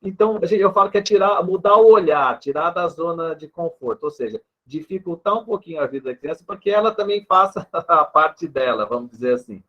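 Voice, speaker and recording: Brazilian speech therapist guy, kinda high voice, patient explainer, muffled lo-fi audio. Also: lively intonation, brisk, hardly any pauses. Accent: Brazilian Portuguese. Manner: patient, explains with examples and frequent "né". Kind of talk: explanatory interview answer. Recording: dull lo-fi sound.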